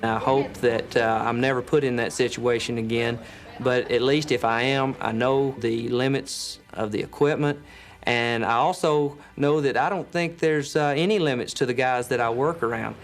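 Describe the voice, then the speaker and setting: A rescue worker reflects calmly and steadily on a tough call. He speaks at an ordinary pitch, with faint music in the background. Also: moderate pace. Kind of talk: interview recollection.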